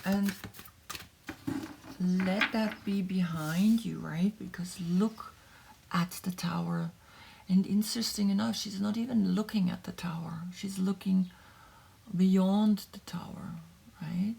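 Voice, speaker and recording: Slow, husky woman. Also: medium pitch, fairly even intonation. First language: German. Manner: slow, soft, drifting into whispers, thinking aloud. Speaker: tarot reader. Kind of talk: meditative tarot reading, partly translated.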